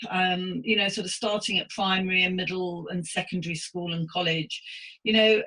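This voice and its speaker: A woman's voice: mid-range voice, sharp tone, poor audio. Woman around 60, podcast host. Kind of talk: scripted intro and chatty interview hosting.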